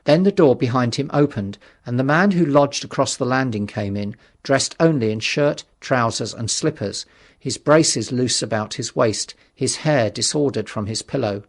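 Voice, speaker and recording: Male audiobook narrator, measured and dramatic. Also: medium pitch. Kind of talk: scripted literary narration.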